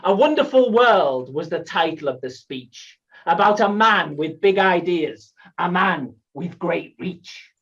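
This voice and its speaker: British male, animated high voice, theatrical rhyming comic tale, muffled recording. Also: slow, breathy edge, far from the mic. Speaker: competition speaker. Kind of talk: rehearsed comic storytelling in rhyme.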